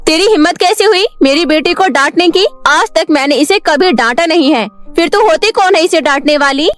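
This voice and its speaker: A woman's voice: normal speed, soft background music, close to an everyday voice. A woman voicing a cruel, harsh middle-aged stepmother in a storybook cartoon, bossy and scolding. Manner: shrill and bossy.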